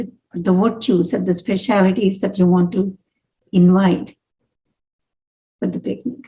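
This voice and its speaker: Somewhat breathy and dark, mellow in tone, a woman at medium pitch speaks fairly slowly with fairly even intonation and long, frequent pauses. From South India. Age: 70s. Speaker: meditation teacher. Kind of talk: spiritual talk.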